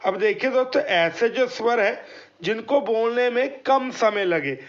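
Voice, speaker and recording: A man with a very high, expressive voice teaches an exam prep lesson a little slowly, explaining step by step, asking and answering his own questions, and sounding out letters. He treats listeners as friends, and the highs are cut off.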